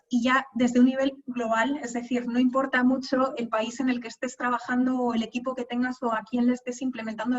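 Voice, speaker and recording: A woman from Madrid speaks with a Spanish accent in a somewhat high voice. She talks in a loose, conversational way full of fillers and restarts, heard through muffled, lo-fi video-call audio. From Spain. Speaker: guest speaker. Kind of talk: webinar talk.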